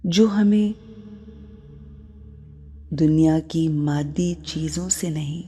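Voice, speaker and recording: A woman guiding a spiritual meditation in a calm, deliberate manner, with short phrases, long pauses and soft, breathy phrase endings. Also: deep voice. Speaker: guided meditation teacher. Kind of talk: slow spoken guided meditation with spiritual reflections. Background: meditation music.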